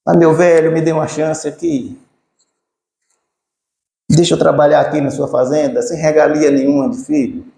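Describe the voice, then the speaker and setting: A man's voice: fairly high pitch, flat delivery, moderate pace, gravelly, pauses often, mellow. A man voicing a humbled young son who pleads humbly with his father. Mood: pleading. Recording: echoey church hall.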